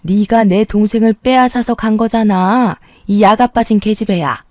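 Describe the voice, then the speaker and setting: A woman voicing a furious, clingy sister-in-law who screams insults in a warm, dry voice. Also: mid-range voice, normal speed, no echo, lightly acted.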